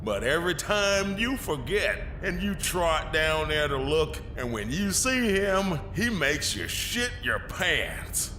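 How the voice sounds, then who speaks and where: A man's voice: fairly high pitch, very animated, takes it slowly, few pauses, pushed and bright, faint music behind, heavily acted. A man playing a cruel, gleeful tattooed prisoner in a horror audio drama, mocking and foul-mouthed. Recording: roomy echo.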